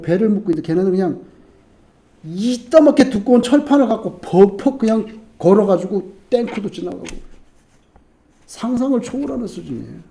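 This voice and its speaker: A middle-aged man preaching a sermon as pastor, with animated delivery that swings from soft asides to loud emphatic outbursts. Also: high-pitched, vocal fry. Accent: Korean.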